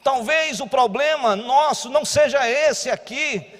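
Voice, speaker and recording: A Brazilian pastor preaching a sermon, moving between quiet teaching and loud exhortation. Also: male voice, very high voice, measured pace. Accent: Brazilian Portuguese. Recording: long church hall reverb.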